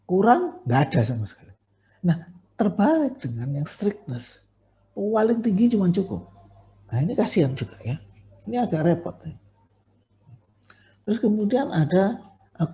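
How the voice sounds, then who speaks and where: A man's voice: on the high side, mellow, a little hiss or hum. A man lecturing on staff appraisal, conversational, with many fillers and self-corrections. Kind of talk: recorded university lecture. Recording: dull lo-fi recording.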